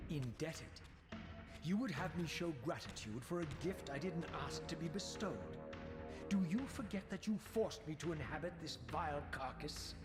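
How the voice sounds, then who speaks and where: A man voicing a proud, bitter, eloquent undead wraith in a gothic video game, with formal, measured, sardonic diction over music. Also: on the high side, expressive, lightly acted. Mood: defiant, scornful. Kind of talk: theatrical gothic video game narration and dialogue.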